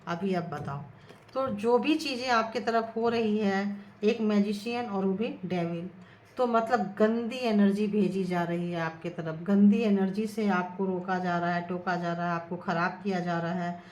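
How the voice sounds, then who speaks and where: A woman giving a casual tarot reading to her viewers, earnest and repetitive, softly chanting her requests to the cards. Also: medium pitch, measured pace. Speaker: tarot reader. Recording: echoey room with faint ambient noise.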